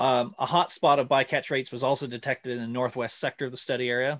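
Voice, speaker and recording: With an American accent, a man speaks fairly quickly against a quiet background. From Newfoundland, Canada. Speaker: seabird researcher and show host; show host. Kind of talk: online seminar discussion. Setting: video call. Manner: casual and jokey. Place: home room. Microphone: studio mic.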